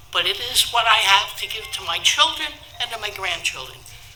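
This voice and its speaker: Moderate-paced speech from a woman, noticeable background noise behind it. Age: 80s+. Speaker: resident. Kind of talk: public comment. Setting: public meeting. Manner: loud. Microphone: no microphone.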